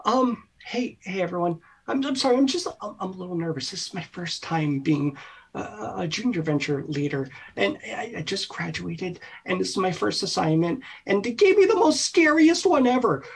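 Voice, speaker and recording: A woman's voice: medium pitch, animated, normal speed, husky. A woman playing a stammering nervous young leader. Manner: stammering, anxious. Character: nervous young female junior adventure leader.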